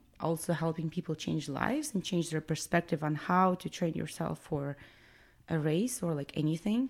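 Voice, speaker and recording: A woman's very deep, low voice with a Russian accent, ordinary pitch variation and a moderate pace. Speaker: ultra runner and business owner. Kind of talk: casual interview, telling life story.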